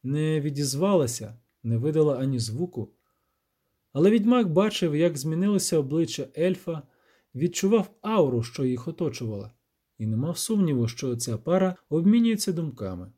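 A man narrating a fantasy audiobook in a dramatic, expressive reading. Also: fairly high pitch, normal speed, husky.

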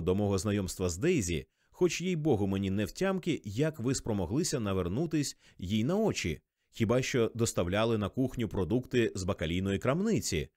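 A man's voice: on the low side, a little mellow, no echo, clean studio sound. A man voicing a jealous wealthy husband who blusters and bullies indignantly.

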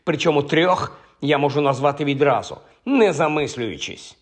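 A man's voice: on the high side, expressive, close to an everyday voice. A man doing a sulky, irritable young wizard. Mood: grumbling. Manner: irritable, drawn-out complaining. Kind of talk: audiobook character voice.

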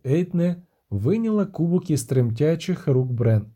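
Mellow-voiced man narrating an audiobook. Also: a little high, very animated, a little slow. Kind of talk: scripted narration.

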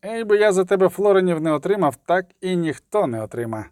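A swaggering outlaw with a rough, folksy tongue, as a male reader puts him on. He swings his lively voice high and low while bluffing his way through, and the sound is close and dry. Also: quick pace, no room sound. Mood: menacing. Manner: boastful, rough folksy slang. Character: brash swaggering male outlaw, smooth liar.

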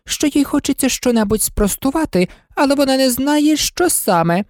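Woman doing a fretful queen, plaintive, complaining, high voice, storybook. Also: lively intonation, normal speed, a little mellow, no room sound, studio quality.

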